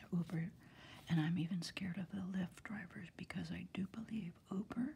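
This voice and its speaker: The voice is quiet, with light background noise. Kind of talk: casual vlog chat. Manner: quiet late-night ASMR phone talk. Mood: worried, opinionated. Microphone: phone near.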